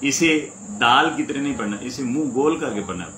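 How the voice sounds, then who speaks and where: A man's voice: medium pitch, a bit bright. Man teaching recitation in an echoey room. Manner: patient, demonstrates sounds by repeating them slowly. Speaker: religious teacher. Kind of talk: spoken lesson on Quranic recitation. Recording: echoey room, faint insect noise.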